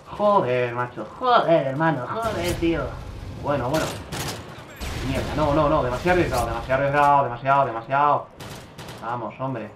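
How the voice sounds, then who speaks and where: A man from giving casual commentary over his own gameplay, swearing a lot and breaking into loud outbursts. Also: medium pitch, normal speed, reverberant, noisy background. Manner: swears often, bursts into excited outbursts.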